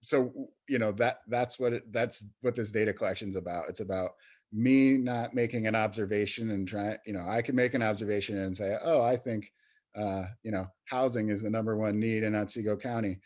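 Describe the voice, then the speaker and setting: A man from New York State, USA, who is an adult in recovery and a peer professional working as a youth recovery program coordinator, guests on a podcast interview. His voice is fairly low, fairly even in intonation, fairly quick and darkish in tone. He speaks casually and hesitantly, with many fillers and restarts.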